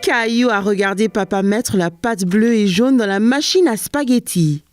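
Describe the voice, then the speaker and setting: A woman narrating a children's cartoon in a gentle, clear storybook manner. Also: mid-range voice, normal speed, soft background music.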